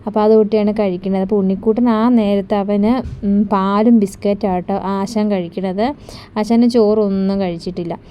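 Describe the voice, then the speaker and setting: A woman's voice: mid-range voice, steady tone, moderate pace, smooth, highs cut off. A woman vlogger and mother chatting casually through her day, homely, often ending sentences with a friendly tag. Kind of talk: casual daily vlog narration.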